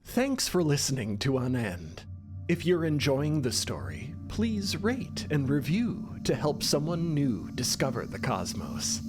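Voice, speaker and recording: A man reading scripted narration in a deliberate, expressive way. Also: fairly high pitch, faint music behind.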